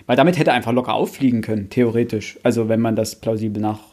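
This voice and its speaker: A young man co-hosting a casual book podcast, talking in a playful, halting way and acting out examples. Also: medium pitch, fairly even intonation, a little mellow. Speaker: podcast co-host.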